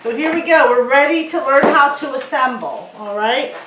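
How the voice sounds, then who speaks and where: A woman's voice: sits high, moderate pace, background noise. Chatty woman teaching cooking, roomy sound. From South Korea, raised in the United States. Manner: chatty, keeps checking in with "okay?". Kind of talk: casual cooking lesson to camera. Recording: roomy sound from a distant mic.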